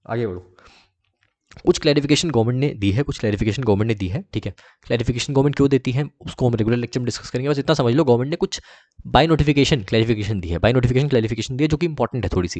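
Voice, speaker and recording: A young man with an Indian accent, tutoring commerce students in a lecture, repeating points and reading rules out slowly in English. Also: medium pitch, a little mellow. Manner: repetitive, reassuring, reads rules slowly in English. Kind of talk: exam-prep lecture.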